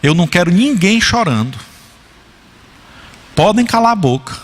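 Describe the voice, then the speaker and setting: A man's voice: high-pitched, very animated, normal speed. A man voicing a zealous pious son sternly ordering mourners to stop crying, with church hall reverb. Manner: stern, commanding.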